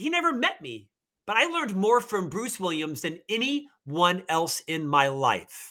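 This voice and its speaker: A man talks in a high, bright, sharp voice that is raised and projected, with very wide pitch swings. His pace is fairly slow, and the recording is very clean with a silent background. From Orlando, Florida. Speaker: author and mentor. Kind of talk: interview answers.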